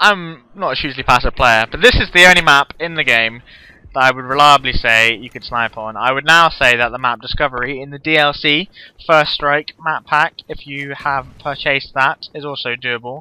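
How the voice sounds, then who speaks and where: A man with an English accent speaks at a moderate pace in a bright, sharp tone, the sound dry and close with no echo. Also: fairly high pitch for a man, ordinary pitch variation, big swings in loudness. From England. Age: 20s. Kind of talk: gameplay commentary. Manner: casual, hesitant.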